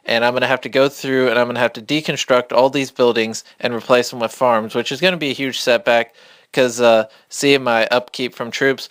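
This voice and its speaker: A man giving a casual, off-the-cuff game tutorial, speaking quietly but clearly, close to a phone mic. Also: mid-range voice, no echo. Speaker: gamer hosting a beginner's tutorial. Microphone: phone held a couple of inches from the mouth.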